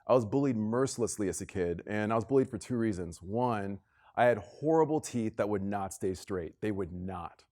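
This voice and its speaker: A man's voice: fairly low pitch, lively intonation, moderate pace, darkish tone. American man giving an emphatic keynote. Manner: emphatic, conversational, repeats phrases for effect. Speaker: keynote speaker. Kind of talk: motivational conference keynote, personal storytelling. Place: live talk on stage to a room of listeners. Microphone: stage microphone.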